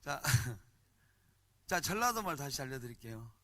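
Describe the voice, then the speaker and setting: A man's voice: mid-range voice, a little slow. A man preaching a sermon at a church retreat in a blunt, humorous, colloquial way, often calling out for the congregation to answer "amen.". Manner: animated, calls for "amen" and "hallelujah" responses; colloquial, blunt and humorous, mimics regional speech. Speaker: pastor.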